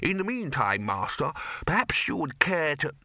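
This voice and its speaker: A man acts out an anxious, obsequious college official in a comic fantasy storybook. He is careful and placating, with hesitant stammers under forced politeness. His voice is bright, dry and close, moving a lot in pitch. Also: big pitch swings, normal speed, no room sound, exaggerated voice. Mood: smoothly placating. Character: nervous, placating, deferential male university bursar at a wizards' college.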